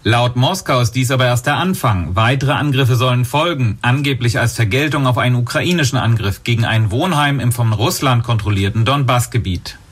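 A man's voice: mid-range voice, husky. A man delivering a sober news report as a foreign correspondent. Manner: sober, measured.

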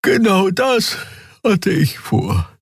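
A sleepy, beaked alien crewwoman from a spoken space adventure, put on by a male narrator. She drawls high and slow, as if ready to fall asleep on her feet. The voice is husky and close, with no room around it. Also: wildly swooping pitch, no room sound, full character voice. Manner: slow, drowsy, yawning. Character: tired beaked female alien crew member. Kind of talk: audiobook character voice.

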